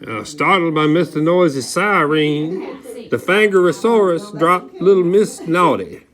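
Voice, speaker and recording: A man's voice: a little high, animated, a little slow, a bit bright. A man reading a children's story aloud in a dramatic way, drawing out key words and sometimes correcting himself.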